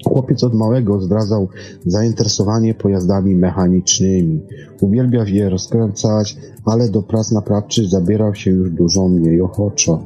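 A man with a low, mellow voice presents a science programme from a script. He reads haltingly and trips over words now and then. The recording is dull and lo-fi, with music playing behind him. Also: fairly even intonation. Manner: halting reading with stumbles and repeated words. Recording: dull lo-fi sound.

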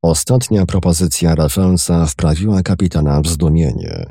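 A man narrating an audiobook story in a slow, measured reading. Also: low-pitched, expressive, gravelly, mellow, husky, no echo, studio quality.

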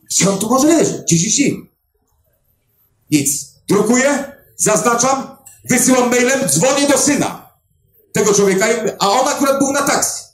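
An older man who finds missing people, telling a story to a live audience with emphatic, animated delivery and dramatic pauses. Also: extremely high pitch, faint music behind. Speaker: clairvoyant body finder. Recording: roomy echo.

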